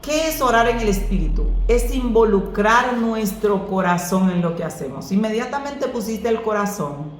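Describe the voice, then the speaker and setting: A woman pastor, answering questions about prayer in an earnest, preacherly way that slips into lively storytelling. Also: mid-range voice, slight background noise. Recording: echoey room.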